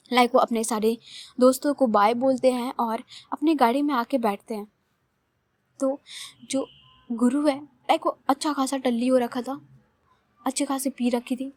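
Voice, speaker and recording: A woman's voice: fairly high pitch, a little mellow, no echo. A woman narrating a romance story in a chatty, loose way full of fillers.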